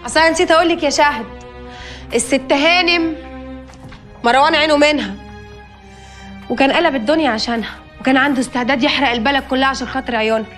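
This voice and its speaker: An actress playing a defiant, sharp-tongued young woman who speaks sarcastically with an Egyptian accent in a TV drama. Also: sits high. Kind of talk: TV drama acting.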